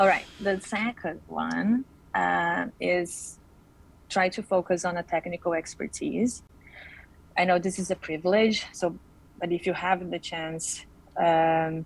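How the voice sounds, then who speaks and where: A woman with a Brazilian accent, fairly slow and fairly even in intonation, with long, frequent pauses. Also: fairly low pitch for a woman. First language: Portuguese. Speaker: recruiter. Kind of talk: interview. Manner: casual, many fillers.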